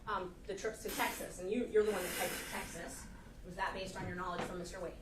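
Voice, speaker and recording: A woman's voice: lowish voice, fairly even intonation, fast talker, echoey room. A woman lawyer cross-examining a witness in a courtroom, questioning in a pressing, persistent way. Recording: distant mic with clear room noise.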